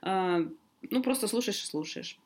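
A woman language teacher chatting as a podcast guest, explaining in a lively way with sudden lifts in her voice. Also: mid-range voice, moderate pace. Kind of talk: casual conversation, explaining.

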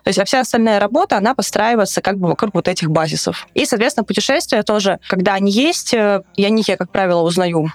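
A young woman in her twenties chats as an interview guest. She talks very quickly in a mid-pitched voice, spinning out casual, animated stories. The studio sound is dry and close. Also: dry recording. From Russia. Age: 20s. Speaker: interview guest, travel writer and swimming coach. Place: recording studio.

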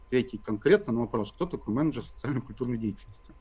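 A man's voice: medium pitch, animated, rapid-fire, darkish tone, slightly rough. A young adult man, a guest in an interview, explaining communication techniques step by step with frequent hesitations and fillers. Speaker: guest expert.

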